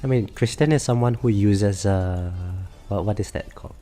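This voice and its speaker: A man with a lowish voice speaks at normal speed on a live game stream, sounding nasal because his nose is stuffed up from a cold. He stays relaxed while hesitating often, filling gaps and correcting himself. Faint music runs in the background.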